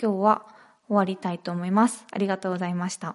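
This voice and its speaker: A woman's medium-pitched voice comes through with a quiet background. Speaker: podcast host. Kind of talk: solo monologue podcast. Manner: many filler hesitations.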